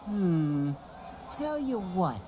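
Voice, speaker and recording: A man's voice: sits high, big pitch swings, very slow, mellow, a faint crowd, full character voice. A man playing a cocky, taunting teenage male hawk racer with a swaggering, teasing manner in a cartoon audio drama.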